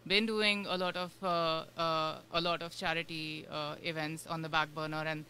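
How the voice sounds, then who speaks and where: A woman's voice: deep voice, little pitch movement, normal speed, pushed and bright, slight background noise. A woman from India, a guest on a radio show, talking casually and rambling with many fillers. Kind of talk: casual interview chat. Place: radio studio.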